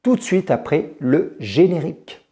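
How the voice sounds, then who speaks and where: A man teaching French, talking the viewer through grammar with slow, deliberate explanations and carefully stressed example words. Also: on the high side. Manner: slow, deliberate, lively intonation.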